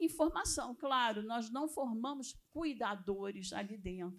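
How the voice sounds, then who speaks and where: Very slow, lively-intoned speech from a woman against a quiet background. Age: 70s. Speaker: eldercare specialist. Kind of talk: public hearing testimony. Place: meeting room. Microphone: handheld.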